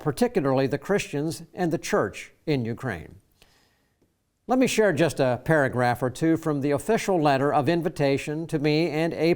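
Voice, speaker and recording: A man hosting a faith-based talk program, his voice sitting a little high for a man. He reads in a measured, formal way. When he speaks off the cuff he trips over fillers. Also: a little mellow. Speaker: radio show host. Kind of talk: scripted program introduction and interview.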